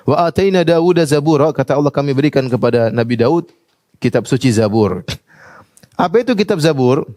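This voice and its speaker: A man's voice: medium pitch, darkish tone, no echo, clean studio sound. A man giving a religious lecture as a preacher. He recites Arabic passages and translates each one, and he puts questions to his listeners. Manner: quotes Arabic passages then translates them, asks the audience questions. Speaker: Islamic preacher.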